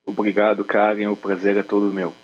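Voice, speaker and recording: A man's voice: lowish voice, completely flat delivery, brisk, highs cut off. A man in his forties with a Rio de Janeiro Brazilian accent, a military spokesman answering earnestly on a video call, with frequent hesitation fillers. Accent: Rio de Janeiro Brazilian Portuguese. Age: 40s. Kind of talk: remote interview answers.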